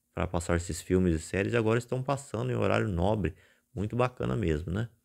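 With a relaxed tone and lively intonation, a man speaks with vocal fry over a quiet background. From Brazil. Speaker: satellite dish YouTuber; satellite TV vlogger. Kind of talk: casual reading of viewer comments. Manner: relaxed, conversational. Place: home room. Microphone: phone near.

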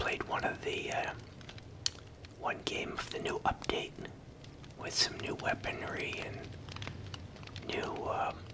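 A man speaks in a whisper. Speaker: gamer, ASMR creator. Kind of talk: casual gaming commentary. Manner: whispered. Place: home room. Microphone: studio mic.

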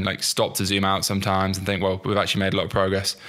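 A man's fairly low voice with a British accent, against a quiet background. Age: 20s. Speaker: e-commerce entrepreneur, vlogger. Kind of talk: casual vlog monologue. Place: home room. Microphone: studio mic.

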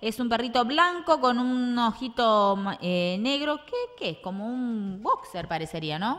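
A woman speaks at a fairly slow pace in a fairly high pitch that swings very widely. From Argentina. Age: 30s. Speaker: local radio and TV host; local radio, TV host. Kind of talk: casual chat. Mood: cheerful, nostalgic. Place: studio. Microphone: studio mic.

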